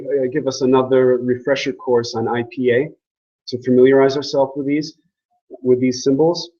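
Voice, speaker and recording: A man's voice: medium pitch, a little mellow, husky, lo-fi sound. A man giving a casual classroom lecture on language, joking and asking the class questions. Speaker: language teacher.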